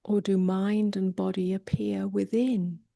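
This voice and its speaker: A woman meditation teacher leading a guided meditation softly and gently, often drifting toward a whisper, with long pauses. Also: mid-range voice, level tone, dry recording. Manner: soft, breathy delivery drifting toward a whisper.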